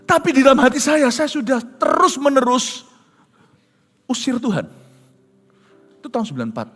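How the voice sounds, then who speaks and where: A man's voice: very high-pitched, huge pitch swings, normal speed. A man preaching a sermon as a pastor, telling a story dramatically and slipping in English phrases. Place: large church hall. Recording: long church reverb with soft music.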